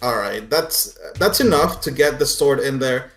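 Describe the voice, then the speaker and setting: A man's voice: medium pitch, lively intonation, fairly bright tone, faint music behind. Male game master in an echoey room. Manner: halting, conversational, explanatory. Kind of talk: improvised tabletop game narration.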